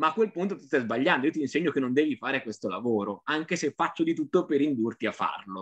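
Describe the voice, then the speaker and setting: Very fast male speech, fairly high in pitch, with lively intonation. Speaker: researcher. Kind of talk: academic presentation. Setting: video call.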